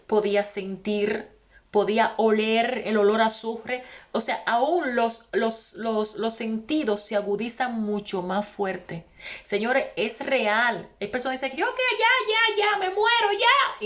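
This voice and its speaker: A woman's voice: on the high side, lo-fi sound. A woman preacher giving an impassioned testimony and addressing her listeners as brothers. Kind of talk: testimony sermon.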